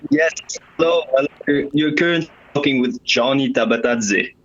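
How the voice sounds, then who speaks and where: A young man from Lebanon calling in over the phone, relaxed and quick to laugh. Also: medium pitch, highs cut off. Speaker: caller. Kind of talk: casual chat.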